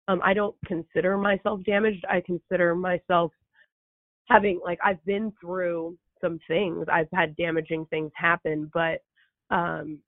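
A young woman with a Californian accent talks candidly as an interview guest, her voice hoarse, raspy and strained, with informal, hesitant phrasing. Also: on the low side, dry recording. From United States, San Fernando Valley in California. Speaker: podcast guest. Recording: thin, phone-like sound.

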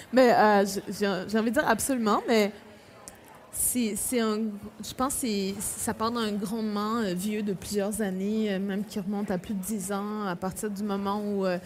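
A woman's voice: mid-range voice, steady tone, unhurried, a little mellow, a little hiss or hum. A young woman, an author speaking with many hesitations and restarts. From Quebec, Innu community. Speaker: author guest.

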